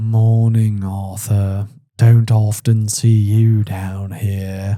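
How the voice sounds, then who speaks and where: A man uses a put-on character voice. He goes at a very slow pace in a monotone, flat intonation. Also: fairly low pitch for a man. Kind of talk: mournful monotone. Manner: slow, droopy, gloomy.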